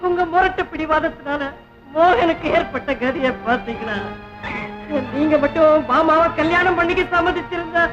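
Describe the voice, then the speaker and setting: A pleading, anxious middle-aged mother speaks in a high voice. Loud music sits under the dull, lo-fi sound of an old film soundtrack. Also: expressive, a little slow, pauses often. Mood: grieving. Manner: pleading, grieving. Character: anxious wealthy mother pleading with her son.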